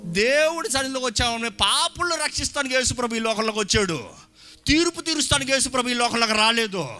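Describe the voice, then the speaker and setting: A man preaching a lively sermon to his congregation in a church, shouting at times and mixing in English phrases. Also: extremely high pitch, quick pace, soft background music. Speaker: pastor. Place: church hall.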